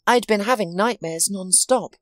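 A woman's voice: mid-range voice, moderate pace, dry recording, clean studio sound, soft background music, natural voice. A woman voicing a shaken, ashamed wife who speaks in an anxious, apologetic way in a storybook reading.

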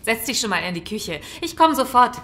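A woman's voice: on the high side, very animated, a little fast, fairly bright tone, a little hiss or hum. An actress in a German radio play playing an overly sweet, insistent female neighbor with a coaxing delivery. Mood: cheerful, insistent.

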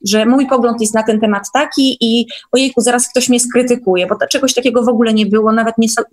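A woman chatting casually as a guest in an online meeting, often checking for agreement. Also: on the high side.

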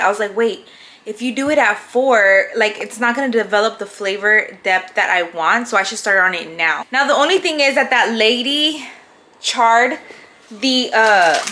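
A woman's voice: medium pitch, sharp tone. A young woman from Houston, Texas, chatting casually and informally as a vlog host in her home kitchen. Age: young adult. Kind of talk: casual vlog chat while cooking. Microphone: handheld or counter-set camera.

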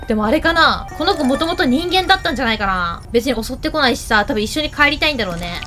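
A woman giving lively gameplay commentary, chatting to the game characters and to her viewers. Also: high voice, fast talker, faint music behind. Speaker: game video host.

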